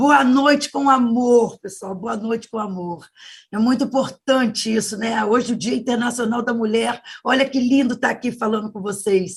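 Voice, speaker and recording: Her plain, everyday voice sits at a fairly high pitch as the woman speaks at a moderate pace with ordinary pitch variation. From Rio de Janeiro, Brazil. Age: 60s. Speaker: entrepreneur, beauty business founder. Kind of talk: live interview. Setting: live stream.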